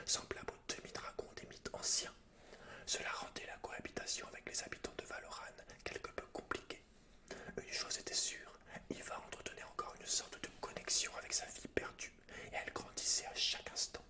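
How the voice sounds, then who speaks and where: A man speaking in a soft, breathy whisper as an ASMR gaming host, informal and intimate. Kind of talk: whispered ASMR, chatting and reading game lore aloud.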